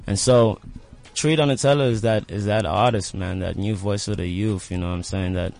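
A young man with a South African accent speaks in a slightly low voice. He chats casually as a rapper in an interview, using loose slang and frequent "like" and "you know". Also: fairly even intonation, moderate pace, creaky, darkish tone. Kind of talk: casual chat.

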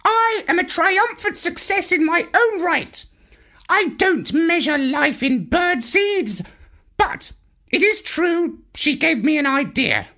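Squawky super high parrot, bossy know-it-all, kids storybook, swoops all over the place. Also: male voice, sharp tone, heavily acted. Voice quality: squawky, shrill. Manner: bossy, pompous. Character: bossy, boastful, brainy male parrot, squawking. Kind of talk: children's audio storybook character.

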